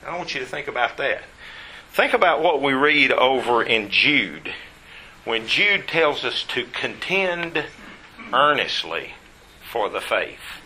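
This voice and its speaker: A man's voice: mid-range voice, big pitch swings, slow pace, sharp tone, a little hiss or hum, low-quality recording. A man preaching a Bible study sermon, stressing key words by repeating them and putting questions to his listeners.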